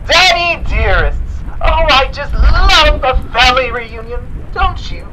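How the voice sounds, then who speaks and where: Shrill, gleeful mad clown villain. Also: male voice, lively intonation, slow pace, bright, forceful tone, a little hiss or hum, full character voice, low-quality recording. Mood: gleeful taunting. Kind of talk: audio drama acting.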